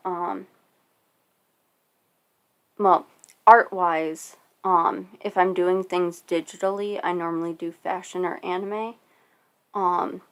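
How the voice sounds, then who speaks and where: A young woman streaming from home, chatting quietly and softly while she draws, with lots of hesitant ums, into a cheap desktop condenser mic. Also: fairly low pitch. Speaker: art streamer. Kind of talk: casual chat while drawing. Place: at home, family nearby.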